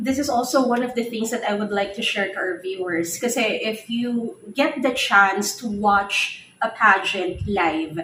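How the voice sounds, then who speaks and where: Her pitch fairly high, a woman speaks at a fairly slow pace with hardly any pauses. Audible room echo and noticeable background noise surround her voice. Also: ordinary pitch variation. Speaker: pageant commentator and interviewer. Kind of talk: interview.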